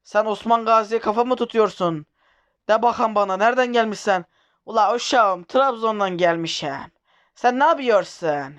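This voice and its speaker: A gruff, bossy warlord barking in a rough Black Sea Turkish dialect, as a man puts him on in comic role-play over a game. The voice sits high for a man and stays folksy. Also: moderate pace, a bit bright. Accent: put-on Black Sea Turkish dialect. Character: rustic male warlord speaking in a rural dialect.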